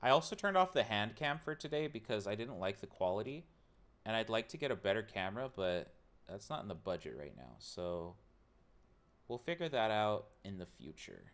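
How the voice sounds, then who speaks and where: A man's voice: lowish voice, big pitch swings, moderate pace, a bit bright. A man streaming as he builds a robot, chatting casually and teasing himself while he tinkers. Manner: rambling, self-mocking, talks to chat while tinkering. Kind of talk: casual live-stream chat while working.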